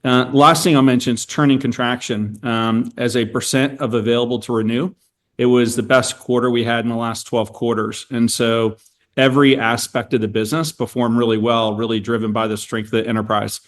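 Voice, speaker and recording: A man speaking as a company executive on an earnings call in a measured, businesslike way. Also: medium pitch, flat delivery. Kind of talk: prepared corporate remarks and answers to analysts.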